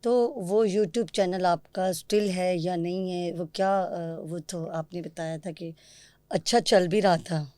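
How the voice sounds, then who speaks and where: A woman's voice: lowish voice, fairly even intonation, darkish tone, no room sound. A woman hosting a podcast, asking polite, curious questions and mixing English words into her talk. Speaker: podcast host. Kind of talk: interviewing.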